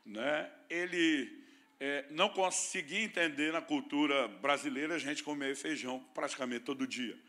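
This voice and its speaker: A man's voice: a little high, normal speed, pushed and bright. A man preaching a sermon with a Brazilian Portuguese accent, mixing teaching with humorous personal stories. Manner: storytelling preacher with playful humor. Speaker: pastor.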